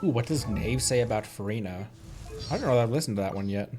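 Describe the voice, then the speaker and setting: A man's voice: lowish voice, animated, quick pace, darkish tone, faint music behind. A man giving casual livestream commentary on a game, playfully thinking aloud. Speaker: streamer.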